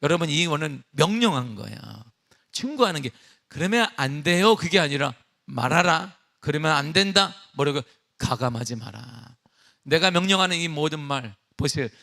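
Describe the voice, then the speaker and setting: A middle-aged man preaching a sermon as pastor, emphatic with call-and-response questions, then easing into a relaxed personal story. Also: fairly high pitch, moderate pace, creaky. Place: church sanctuary.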